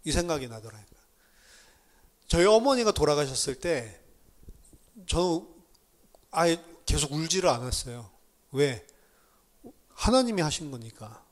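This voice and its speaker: A middle-aged man preaches a sermon in church. His voice sits a little high, and he tells his stories in an animated way, often laughing at himself as he goes. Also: unhurried, long pauses. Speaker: pastor.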